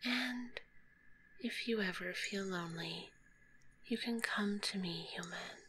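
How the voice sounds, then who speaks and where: A woman voicing a kind, shy, sleepy spider monster in a gentle ASMR roleplay, with a soft breathy whisper and formal, polite wording, close on a binaural microphone. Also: medium pitch, slow pace, lightly acted. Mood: sympathetic, wistful. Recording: close binaural recording, faint background noise.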